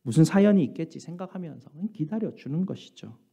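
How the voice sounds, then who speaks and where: Lively, dark-toned preaching man. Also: a little high, fast talker, creaky, breathy edge. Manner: earnest preaching with many rhetorical questions. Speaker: pastor. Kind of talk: sermon. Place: church sanctuary. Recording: dull lo-fi church recording.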